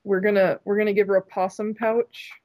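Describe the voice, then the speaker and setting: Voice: medium pitch, little pitch movement, brisk, darkish tone, dry recording, poor audio. A person chatting casually on a podcast, giggling often and rambling through restarts. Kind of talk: casual chat.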